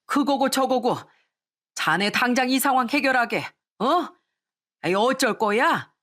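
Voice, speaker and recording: A woman's voice: high voice, animated, measured pace, voice pushed up, heavily acted. Woman doing a blustering, pompous father-in-law. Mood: indignant. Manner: bossy, blustering, shouting. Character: pompous, hot-tempered middle-aged father-in-law. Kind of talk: radio story acting.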